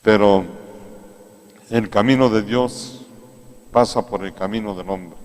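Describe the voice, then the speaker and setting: A man with a Mexican accent preaches a sermon, his low voice moving slowly and carrying a long echo through a large cathedral. He talks to the congregation in a plain, conversational way, taking his time and repeating his main points. The sound of the big stone room hangs around every word. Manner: unhurried, conversational preaching that repeats key phrases. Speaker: priest.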